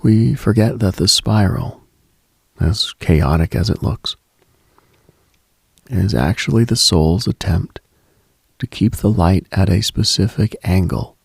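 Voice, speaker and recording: A man hosting late-night radio with a slow, reflective monologue, measured and contemplative with deliberate pauses. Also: deep voice, creaky, husky, no echo, clean studio sound.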